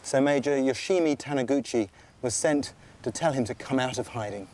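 A man presenting a survival documentary outdoors on a tropical island. He calmly explains and demonstrates each step. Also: medium pitch, brisk. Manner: calm, explanatory, tells and shows step by step. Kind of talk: documentary narration and on-location demonstration.

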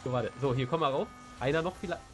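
A man's voice: mid-range voice, fast. A young man with a German accent and a cold, joking and complaining playfully while playing a co-op game. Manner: joking, self-mocking complaints. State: has a cold. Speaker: co-player. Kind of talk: casual gaming chat. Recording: game music behind voice.

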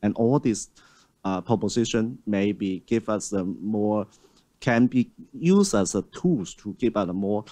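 A man moderating a panel discussion on a large auditorium stage, speaking haltingly with many fillers and restarts. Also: lowish voice, lively intonation, warm tone.

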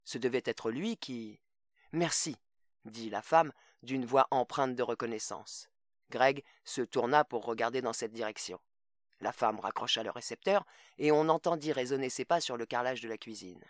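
A man's voice: medium pitch, moderate pace, no room sound, clean studio sound. Man reading a story aloud. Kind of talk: audiobook narration.

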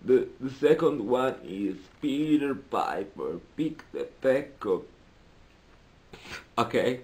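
A man in his twenties with an Italian accent, chatting casually as a vlogger in halting, hesitant English as a native Italian speaker. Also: medium pitch. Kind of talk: casual vlog chat. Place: small cluttered room indoors.

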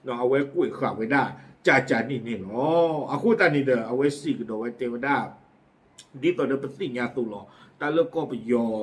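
A man's voice: mid-range voice, fairly quick. A man presenting community news in a casual, chatty way, with frequent fillers and asides. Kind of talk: casual spoken news commentary.

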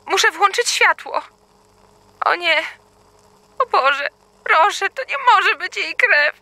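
A woman playing a terrified mother, high and bright. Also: dry recording, heavily acted. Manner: panicked, breathless, pleading. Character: terrified mother searching for her young daughter. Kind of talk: audio drama acting.

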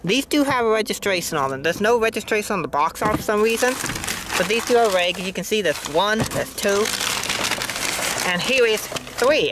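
A man casually unboxing model planes outdoors at an airport, chatty and easily excited, filmed on a tripod-mounted phone. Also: high voice, background noise. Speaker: aviation YouTuber.

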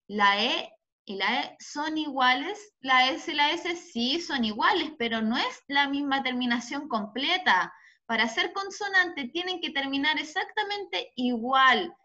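A high-voiced woman teaches over a video call, speaking slowly and patiently as she quizzes her students. Her tone is bright and clear, and the call audio is muffled. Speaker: schoolteacher. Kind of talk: online class teaching.

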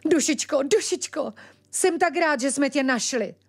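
A young male ferret cries out in a high, eager voice, as a woman reading a fairy tale plays him. His pitch leaps up and down with feeling. He pleads urgently. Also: animated, faint music behind, lightly acted. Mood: excited.

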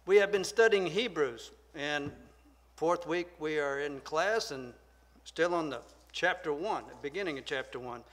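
Older Southern man, soft-spoken Bible teacher at a lectern mic, slightly high voice, church room reverb. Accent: Southern American. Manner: soft-spoken, measured and deliberate, reads scripture aloud. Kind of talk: Bible study lecture. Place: church classroom, at a wooden lectern. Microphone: lectern microphone.

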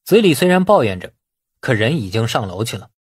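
A man narrates a novel in an expressive, animated storytelling style. His mid-pitched voice has a husky edge and the recording is dry and close. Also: a little fast, no room sound. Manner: expressive storytelling, acting out dialogue. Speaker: audiobook narrator. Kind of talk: dramatic scripted narration of a novel.

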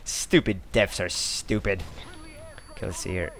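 A young man from Sweden giving live gameplay commentary, excitable and swearing often, with sudden outbursts. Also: deep voice, unhurried.

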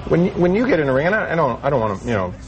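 A man's voice: a little high, very animated, racing, lo-fi sound, music in the background. A man hosting a live broadcast interview in a conversational presenter's manner. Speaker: television interviewer, host. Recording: slight background noise.

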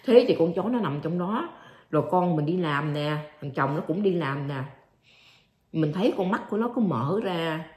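A woman's voice: fairly low pitch, a little mellow. A middle-aged woman vlogger telling an emotional personal story to her viewers, repeating herself often. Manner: repetitive, addresses viewers as aunts and uncles. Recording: roomy echo.

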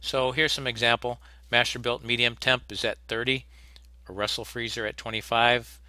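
A man's voice: medium pitch, flat delivery, normal speed, bright, forceful tone, clear, resonant tone, no echo. A man teaching HVAC technicians in a recorded slide lecture, plainspoken and practical, often restarting his sentences. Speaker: HVAC instructor.

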